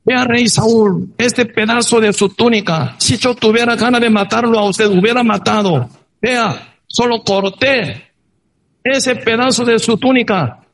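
Guy acting out a young warrior begging the king to trust him, high strained husky voice. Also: measured pace, fairly bright tone, heavily acted. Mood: pleading. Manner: earnest, raised pleading voice. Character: young male warrior pleading loyalty to king.

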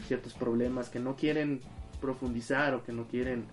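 A man's voice: medium pitch, steady tone, moderate pace, faint music behind. A man, co-hosting a podcast and talking through a film in a thoughtful, analytical way. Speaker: podcast co-host. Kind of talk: casual film discussion.

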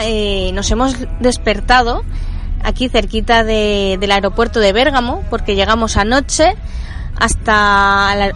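A cheerful woman hosts a travel show, chatting casually with lots of fillers and restarts. Her voice sits at an ordinary middle pitch. Faint music plays softly behind her. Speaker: travel podcast co-host. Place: outdoors on a road trip.

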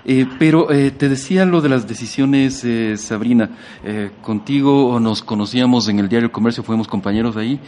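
A man hosting a conversational radio interview, asking in hesitant, halting phrases. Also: mid-range voice, a little mellow, a little hiss or hum. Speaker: interviewer, host.

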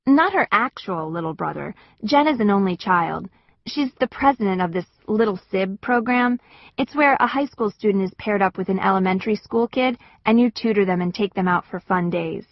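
A woman narrating an audiobook in the first person with an expressive, wistful storytelling manner. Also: medium pitch, no echo, highs cut off.

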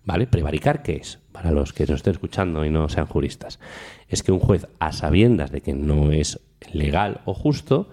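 A man's voice: a bass voice, animated, normal speed, mellow. A male host giving casual political commentary, emphatic and joking, repeating himself for stress.

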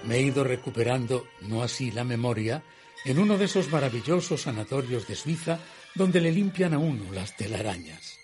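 An actor playing a reflective gentleman who narrates his own eerie tale in a radio drama, in a measured, literary manner. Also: medium pitch, animated, faint music behind, lightly acted. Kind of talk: scripted first-person radio drama narration.

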